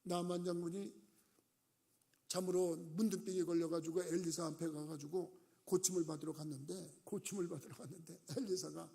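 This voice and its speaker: A middle-aged man preaches a sermon from the pulpit, his voice pitched high with a gravelly edge. He slips into the voices of people in his stories, swinging up and down as he goes. The sanctuary gives his words a long, ringing reverb. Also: fairly even intonation, normal speed, warm tone. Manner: acts out quoted voices with dramatic rises and dips. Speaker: pastor. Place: church sanctuary.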